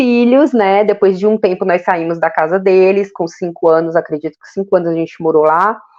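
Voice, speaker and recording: Here a woman talks at a moderate pace with a northeastern Brazilian accent. Her intonation is lively. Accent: Cearense (Brazilian northeast). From Ceará, Brazil. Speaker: guest, mother and baby sleep consultant. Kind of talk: interview, life story. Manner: hesitant, many fillers.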